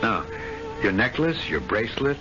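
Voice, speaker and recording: A man's voice: fairly low pitch, big pitch swings, moderate pace. An actor playing an anxious, weak-willed male trust officer in debt, pleading and flustered in an old radio drama. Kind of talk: 1970s radio drama acting. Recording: lo-fi vintage radio with faint music.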